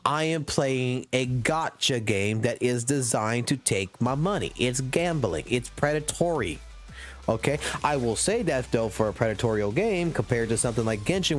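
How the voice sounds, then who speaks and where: A man's voice: mid-range voice, lively intonation, normal speed, faint music behind. A man in his thirties ranting profanely and emphatically on a casual gaming livestream, talking into a desk mic at a home streaming setup. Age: 30s.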